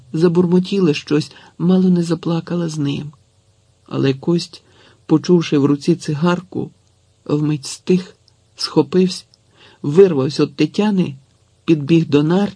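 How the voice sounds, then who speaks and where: A man reading a literary story aloud in an expressive audiobook narration. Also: a little high, creaky, slightly rough, dry recording.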